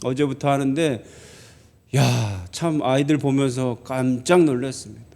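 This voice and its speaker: A man's voice: medium pitch, unhurried, mellow. A male pastor preaching a sermon in a church, conversational and full of questions to the congregation. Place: church sanctuary.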